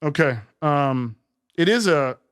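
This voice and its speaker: A man's voice: on the high side, lively intonation, takes it slowly, fairly bright tone, clear, resonant tone. A man hosting a casual podcast conversation who speaks earnestly, often hesitates with fillers, and answers with short affirmations. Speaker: podcast host.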